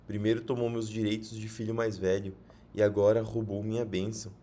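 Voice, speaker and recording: A man's voice: lowish voice, level tone, brisk, warm tone, slight background noise, lightly acted. A man reading as a wronged elder son. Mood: bitter. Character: bitter grown son robbed of blessing.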